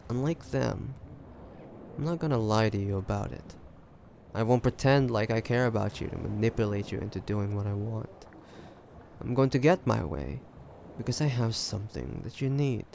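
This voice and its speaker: Guy acting as smug pirate captain, gravelly and unhurried, sly taunting roleplay talk, bit of background noise. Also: mid-range voice, darkish tone. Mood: cold, frank. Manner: taunting, deliberate, conspiratorial, with dry chuckles. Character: ambitious, shrewd, smug male pirate captain. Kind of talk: roleplay audio drama monologue addressed to listener.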